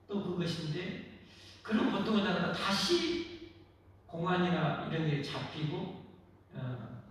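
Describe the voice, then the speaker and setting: A man pastor giving a sermon, acting out quoted voices with big swings between loud and soft. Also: sits high. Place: church sanctuary. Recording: echoey church hall, voice from far off.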